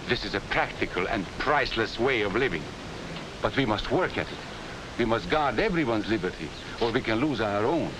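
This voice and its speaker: A middle-aged man with a Hungarian accent playing a calm former professor who talks in a measured, lecturing way, in a 1940s film. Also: fairly low pitch, close to an everyday voice. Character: calm, earnest male immigrant professor. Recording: hissy 1940s film soundtrack.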